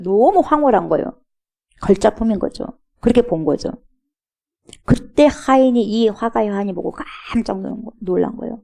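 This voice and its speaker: Woman pastor, sermon, gravelly voice, mellow tone, storytelling, acts out lines, drops to whispers. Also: medium pitch.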